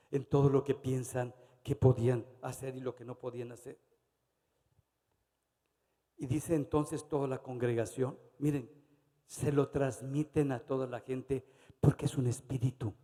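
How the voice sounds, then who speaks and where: A man preaching a sermon, dramatic and theatrical, acting out little voices and swinging from loud to hushed. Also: medium pitch, slightly rough. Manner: dramatic preacher, acts out voices, varies loudness widely. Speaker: pastor. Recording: long hall reverb.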